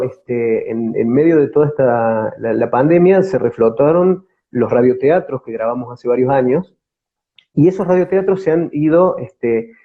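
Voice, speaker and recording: A man's voice: medium pitch, phone-quality sound. A man with an Argentine accent from Córdoba giving conversational interview answers as an actor, feeling for words and repeating them as he goes. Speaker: theatre company actor, interview guest.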